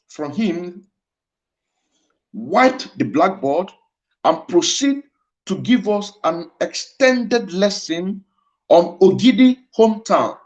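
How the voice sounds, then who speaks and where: A man with a Nigerian Igbo accent lectures in a high voice, drawing each phrase out slowly. He hammers his points home by repeating lines. The stream audio sounds dull and lo-fi. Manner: emphatic, repeats phrases for weight. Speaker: speaker at a livestreamed address. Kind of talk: impassioned lecture.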